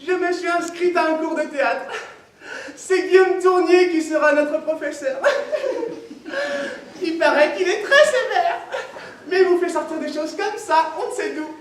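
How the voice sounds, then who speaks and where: An actress playing an excited, stage-struck provincial aunt with hammy, savoring delivery in a stage comedy. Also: female voice, extremely high pitch, unhurried. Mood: delighted. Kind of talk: live stage comedy acting. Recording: distant, very echoey theater recording.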